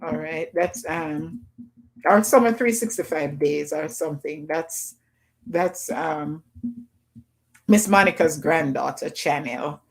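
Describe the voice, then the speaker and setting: A woman's voice: low-pitched, takes it slowly. A woman hosting a casual livestream call-in, chatting loosely and greeting viewers by name. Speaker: livestream host.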